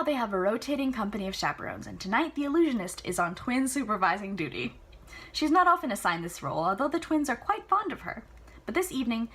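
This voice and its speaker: A woman reading a novel aloud in an enthusiastic, chatty way, adding casual asides and reactions, with a husky voice. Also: fairly high pitch, a bit bright. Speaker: amateur book reader.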